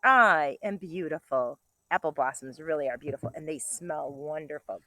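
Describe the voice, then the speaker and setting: A woman kindergarten teacher reading to young children, enthusiastic and expressive, breaking off for chatty asides and questions to her listeners. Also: sits low, normal speed, dry recording. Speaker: kindergarten teacher reading a picture book to pupils.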